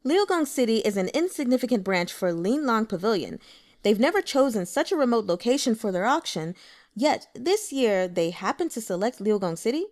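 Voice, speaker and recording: A woman's voice: a little high, big pitch swings, moderate pace, a little mellow. A woman voicing an earnest, deferential male official subordinate who reports formally to his lord.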